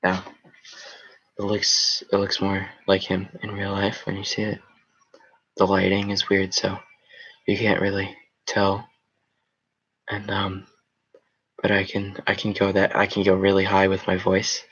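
Teenage boy, low bright voice, rambling live chat, headset mic, dull lo-fi sound. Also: monotone, measured pace, pauses often, slightly rough. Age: teens. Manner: rambling, chatty, reacting to comments. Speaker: livestream host reading chat. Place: small room with green backdrop.

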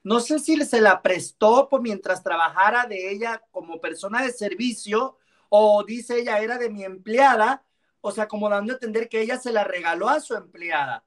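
A man hosting a celebrity gossip show from home on a video call, animated and teasing, scattering endearments through his commentary. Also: high-pitched, moderate pace, distant mic. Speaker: entertainment gossip host.

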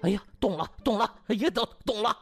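A man's voice: high-pitched, fast talker, vocal fry, a bit bright, breathy edge, soft background music, voice pushed up, exaggerated voice. A man voicing sly male doctors who feign concern, with exaggerated pleading, in a comic audiobook. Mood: mock urgent.

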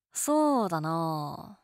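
Low-voiced, teasing college girl played by a woman. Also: no room sound, clean studio sound, heavily acted. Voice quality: low-toned. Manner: teasing, casual, gently coaxing. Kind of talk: intimate situation-voice role-play, casual chat.

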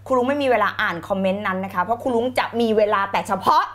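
A woman teaching the law of attraction on a live stream, energetic and emphatic, repeating key phrases and slipping in English words. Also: medium pitch, rapid-fire. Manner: mixes in English words, blunt slang.

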